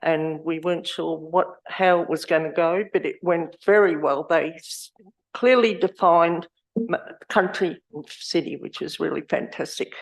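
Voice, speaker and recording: A woman with a hoarse, somewhat low voice talks at a lectern microphone in a council chamber. Her speech is chatty and rambling, full of restarts and asides. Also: low-quality recording. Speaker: community award volunteer. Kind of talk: informal speech at a council meeting.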